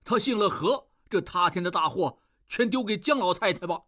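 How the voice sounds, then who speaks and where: A woman's voice: on the low side, animated, measured pace, husky. A woman voicing a cowardly male clan elder who stammers and frets in a storybook reading. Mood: panicked. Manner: frantic, stammering, whining.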